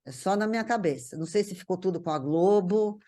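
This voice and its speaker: Reminiscing casually about a parent's career as a guest, this older woman has a São Paulo Brazilian accent and a dark-toned, mid-range voice. She talks fast and animatedly, frequently repeating words as she hunts for what comes next.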